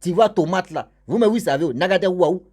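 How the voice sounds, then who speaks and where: A man's voice: high voice, animated, a little fast, mellow. A man telling a story casually and with energy, repeating phrases and talking straight to his listeners.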